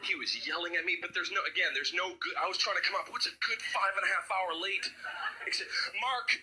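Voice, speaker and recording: A young man performing a stand-up comedy set, jumping into loud high-pitched voices for characters. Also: steady tone, quick pace, low-quality recording.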